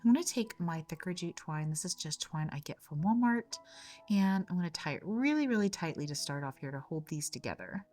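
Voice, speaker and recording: A woman hosting a craft tutorial, talking through each step in a chatty way, her voice slightly raspy and hoarse from a cold. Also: lowish voice, animated, fairly quick, darkish tone. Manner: chatty, step-by-step, frequent small repeats. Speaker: craft channel host. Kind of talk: casual craft tutorial narration.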